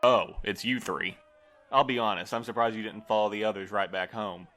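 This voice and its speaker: A formal male office manager played by an actor with a lowish voice. He is wordy and a little flustered, picking careful phrases in an audio drama. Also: steady tone, moderate pace, a bit bright, lightly acted. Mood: exasperated, formal. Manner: formal, hedging, bureaucratic.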